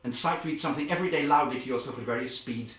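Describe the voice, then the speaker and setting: A man playing a pompous, self-important acting coach who over-enunciates grandly and breaks into sudden loud outbursts. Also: medium pitch, rapid-fire, natural voice. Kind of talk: comedy character sketch. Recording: very echoey, far from the mic.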